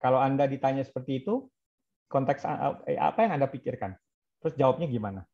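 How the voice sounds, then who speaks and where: A man's voice: medium pitch, animated, quick pace, dark tone. Brief: male trainer, keeps asking the class questions, drops in English example lines, dull lo-fi audio. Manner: quizzes trainees, mixes in English example phrases. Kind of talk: interactive online class.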